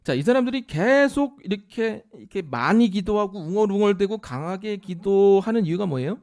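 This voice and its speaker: A man preaching a sermon as pastor, explaining scripture and acting out quoted voices with animated delivery. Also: sits high, fairly quick. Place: church sanctuary.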